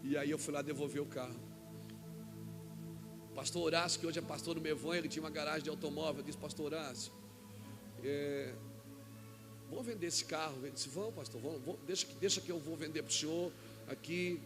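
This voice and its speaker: A Brazilian man preaching a sermon as a pastor, telling a personal story with quoted dialogue and rising to shouts at the peaks. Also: on the high side, steady tone, brisk, pauses often, over music. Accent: Brazilian Portuguese. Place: church event hall.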